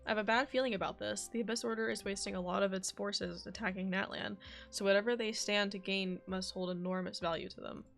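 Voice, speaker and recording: Creaky-voiced woman streaming a game. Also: mid-range voice, fairly even intonation, fast, fairly bright tone. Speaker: live streamer. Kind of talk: casual game stream commentary, reading dialogue aloud. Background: game music.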